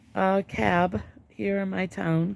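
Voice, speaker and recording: A woman speaks quietly. Her pace is very slow. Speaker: spiritual reader and channel host. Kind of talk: casual vlog talk. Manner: hesitant, many ums.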